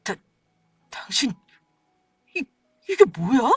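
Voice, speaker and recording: A woman's voice: on the high side, sing-song, moderate pace, a bit bright, dry recording. A woman voicing a sheepish, scheming husband who stammers and pleads, recorded dry and a little distant from the mic. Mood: pleading.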